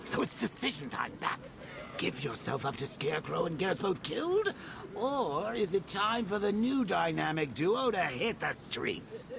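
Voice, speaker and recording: A man puts on a character voice pitched high. He talks at a moderate pace over loud background noise. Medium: video game. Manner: mocking, giggly, sing-song.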